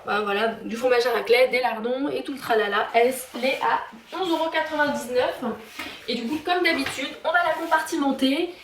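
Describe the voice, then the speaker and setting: A woman talking casually through a haul vlog at home, chatty and halting with many fillers. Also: sits high, echoey room, background noise. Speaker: vlogger. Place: home kitchen and garage.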